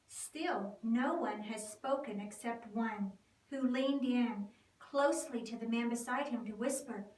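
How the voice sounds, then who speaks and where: A woman reading a dramatic scripted narration in deliberate, storytelling phrases. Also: on the high side, darkish tone. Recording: echoey room, distant mic.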